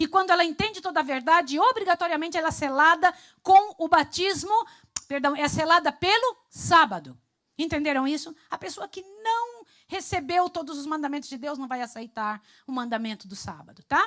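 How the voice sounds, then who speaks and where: A woman talks at a moderate pace in an extremely high voice with a bright, sharp tone. Her pitch swings very widely and her loudness varies a lot. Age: 60s. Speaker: preacher. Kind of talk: sermon.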